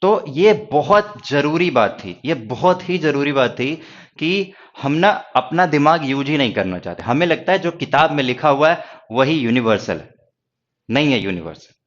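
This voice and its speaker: A man's voice: mid-range voice, fairly bright tone, highs cut off. A man with a Hindi accent teaching a stenography class, reassuring his students and asking them rhetorical questions. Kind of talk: classroom lecture.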